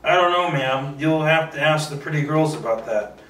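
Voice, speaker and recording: A man's voice: on the high side, normal speed, fairly bright tone, natural voice. A man voicing a courteous but persistent cop-like visitor in a screenplay table read, polite, firm and probing. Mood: polite, curious. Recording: roomy, distant microphone.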